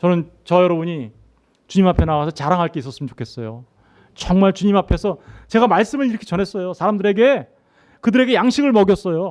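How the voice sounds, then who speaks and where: Delivered at a very fast pace with very wide pitch swings, the voice comes through on a very clean recording with a silent background. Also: man, high pitch for a man. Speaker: pastor. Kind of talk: sermon.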